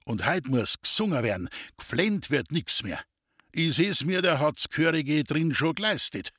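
A man voicing a cheerful young male artilleryman with a Bavarian accent, speaking in a husky, hearty voice. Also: fairly high pitch, normal speed, dry recording, studio quality, pitched above the performer's own voice. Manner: hearty, lively dialect speech.

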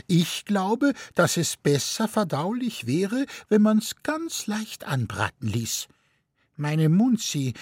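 A woman's voice: fairly low pitch, husky, dry recording, clean studio sound, voice pushed up, full character voice. A man reading aloud voices a fussy, anxious elderly lady who frets and chatters on primly. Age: older. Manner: prim, worried, chattering on.

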